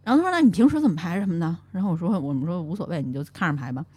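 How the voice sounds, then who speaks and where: A middle-aged woman, a podcast guest, telling a work story in casual chat in a lively way. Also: on the low side, racing, breathy edge, no room sound. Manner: lively storytelling, laughs while quoting.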